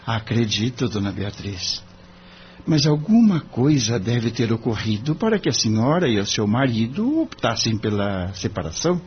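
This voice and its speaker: A man voicing an earnest, polite young lawyer gently reassuring a client. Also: medium pitch, big pitch swings, normal speed, lightly acted. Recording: dull lo-fi with faint noise.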